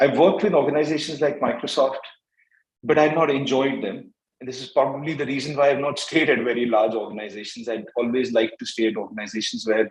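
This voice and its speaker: Audible room echo surrounds a man with an Indian accent who speaks at a very fast pace, with medium pitch and ordinary pitch variation. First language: Hindi. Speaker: HR professional, conference speaker. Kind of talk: conference panel talk. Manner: code-switching English and Hindi; many fillers, hesitant.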